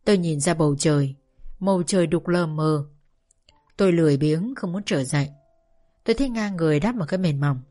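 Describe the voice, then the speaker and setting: A woman narrating a novel aloud in a calm, measured first-person reading. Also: deep voice, soft background music. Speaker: audiobook narrator. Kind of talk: scripted narration.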